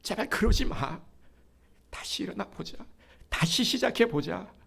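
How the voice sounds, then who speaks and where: A man voicing a loving fatherly God who coaxes and urges softly and tenderly. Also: medium pitch, measured pace, slightly rough. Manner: soft, coaxing and gently urging.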